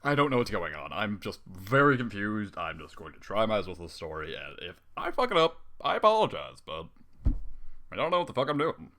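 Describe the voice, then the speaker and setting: A man's voice: on the low side, very animated, brisk, pushed and bright. A man reading a story aloud and breaking off into exasperated, sarcastic, swearing commentary. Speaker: fan fiction reader.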